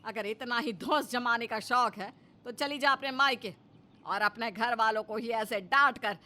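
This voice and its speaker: A woman's voice: a little high, normal speed, bright, forceful tone. A woman voicing a grumbling, dramatic elderly mother-in-law in a cartoon story, scolding with theatrical sighs.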